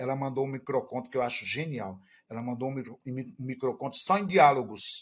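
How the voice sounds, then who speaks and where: A somewhat breathy male voice, fairly high in pitch, with ordinary pitch variation. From Brazil, Pernambuco backlands (Sertânia). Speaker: writer teaching a writing course. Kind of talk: online lecture. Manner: animated.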